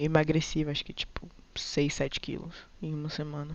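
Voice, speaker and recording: A woman's very deep, low voice. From Brazil. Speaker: refugee from Ukraine war. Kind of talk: interview, casual chat.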